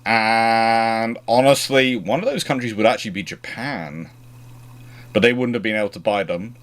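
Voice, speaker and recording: A man's voice: on the low side, normal speed, fairly bright tone. A man hosting a casual question-and-answer chat, thinking aloud in a conversational, wry way. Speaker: host of naval history question show.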